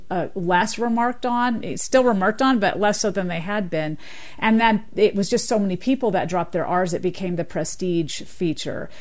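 A woman speaking as an expert guest on a radio show, with a voice of ordinary pitch. She explains fluently and with enthusiasm, often stopping to say "you know".

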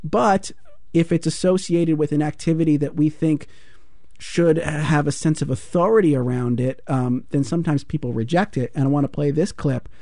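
A man hosting a call-in radio show, with a dark, mellow voice. He talks in a measured, conversational way, and the sound is dry and close with no room around it. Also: on the high side, no echo. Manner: measured, conversational, hands off to guests and callers. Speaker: radio talk show host.

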